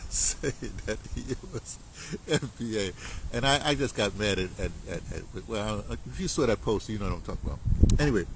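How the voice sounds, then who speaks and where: A man's voice: on the low side, expressive, fairly quick, noisy background. A man in his seventies, talking in a rambling, casual monologue that is full of restarts and slang, chuckling now and then. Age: 70s. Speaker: commentator.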